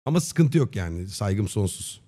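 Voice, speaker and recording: A man in his thirties chatting casually on a livestream in a slangy, joking, deadpan way. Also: fairly low pitch, moderate pace. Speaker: live streamer. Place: dim indoor streaming room. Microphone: close desk microphone with headset on.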